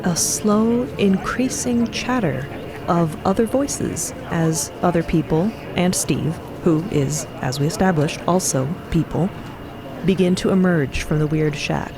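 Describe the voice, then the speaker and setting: A woman narrating a fiction podcast descriptively in the present tense, deliberate and measured, pausing between phrases. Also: on the low side, crowd noise, low-quality recording. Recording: music bed behind narration.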